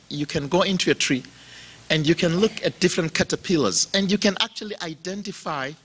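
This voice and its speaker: A man from Zimbabwe preaching a sermon in a slow, emphatic style, his voice rising and dropping for effect. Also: medium pitch, a bit bright, a little hiss or hum.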